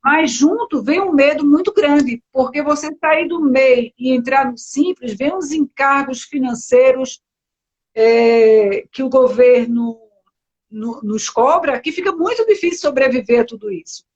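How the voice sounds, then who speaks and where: A woman's voice: high voice, a little slow, a little mellow, highs cut off. A woman from Recife with a Pernambuco accent, talking as a guest in a live interview and rambling with many fillers. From Recife, Brazil. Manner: chatty, many fillers and self-corrections. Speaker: entrepreneur, guest. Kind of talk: casual live-stream interview.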